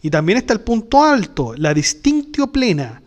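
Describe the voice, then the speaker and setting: Higher-voiced man giving a patient lecture. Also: big pitch swings, moderate pace. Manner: patient, checks in with listeners often. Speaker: philosophy channel host. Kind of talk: explanatory lecture.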